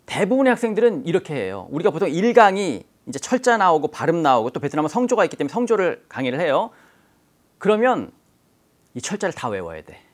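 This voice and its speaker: Male lecturer, fairly high voice, patient and explanatory. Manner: explanatory, poses rhetorical questions. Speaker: language teacher. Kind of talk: exam-prep lecture.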